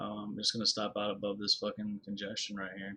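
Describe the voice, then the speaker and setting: Fairly low in pitch, the man's voice has a bright, sharp tone. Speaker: futures trader streaming live trades. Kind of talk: live trading commentary. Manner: quiet.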